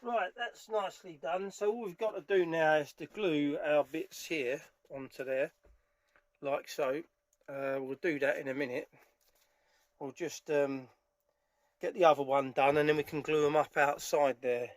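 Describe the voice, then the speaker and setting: Talking as he works, a man presents a hands-on DIY tutorial informally, partly outdoors in a garden. His voice is fairly high, steady in tone and a little slow, with no room sound. The recording is noisy, with clicks and handling sounds.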